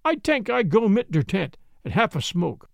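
A man's voice: high voice, huge pitch swings, unhurried, vocal fry, darkish tone, no echo, heavily acted. A man voicing a stubborn, blustering prisoner with a heavy put-on foreign accent.

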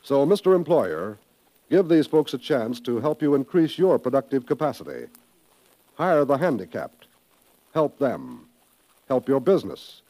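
A man's voice: mid-range voice, sing-song, measured pace, warm tone, low-quality recording. An American man working as a 1950s radio announcer, delivering announcements in a formal, emphatic, urgent manner.

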